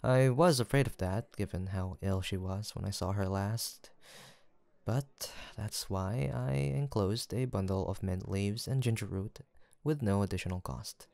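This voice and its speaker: This man plays a kindly, gentle young village apothecary in a soft roleplay audio drama, offering courteous, formal speech full of attentive reassurance. His voice is lowish and gravelly, his pace unhurried, and there's no echo. The mood is caring and courteous.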